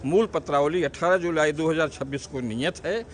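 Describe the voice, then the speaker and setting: A man's voice: a little high, a little fast. A man speaking as a lawyer to reporters, explaining a court ruling step by step in formal terms. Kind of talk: statement to press.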